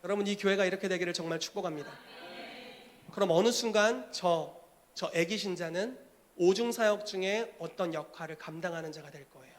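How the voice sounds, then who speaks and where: A male pastor preaching a sermon in an animated way, acting out scenes as he goes. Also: sits high, brisk.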